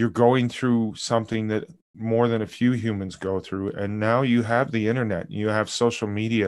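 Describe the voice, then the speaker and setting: On a very clean recording with a silent background, a man with an ordinary speaking voice talks at a moderate pace, medium pitch, and fairly even intonation. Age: 50s. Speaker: former radio technical producer, cancer patient. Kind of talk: casual interview conversation.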